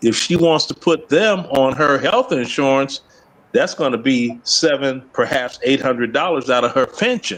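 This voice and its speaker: With a plain, everyday voice, a man talks at a moderate pace and a fairly high pitch, his loudness very even and his pitch varying in an ordinary way. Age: 60s. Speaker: retired military veteran and DJ. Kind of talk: casual chat.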